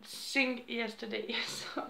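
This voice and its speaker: A woman in her thirties with a French accent, chatting to camera at home in halting English, losing her voice. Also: on the high side, fairly even intonation, creaky, bright, forceful tone, reverberant, a little hiss or hum. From France. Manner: halting non-native English with frequent restarts and apologies. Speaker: crafts vlogger. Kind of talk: casual chat to camera. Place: small room indoors at home. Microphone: camera on a desk close by.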